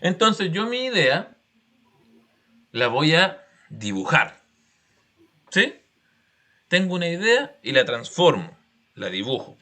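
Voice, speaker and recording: Animated Chilean male teacher. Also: fairly high pitch, takes it slowly, pauses often. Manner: patient, explanatory, uses examples and check-in questions. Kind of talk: classroom explanation.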